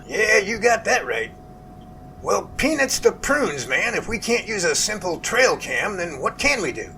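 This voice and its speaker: A man playing a jovial, earnest research professor in an amateur audio drama, with animated, folksy phone talk. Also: high-pitched, measured pace, a little hiss or hum, exaggerated voice. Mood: surprised, folksy.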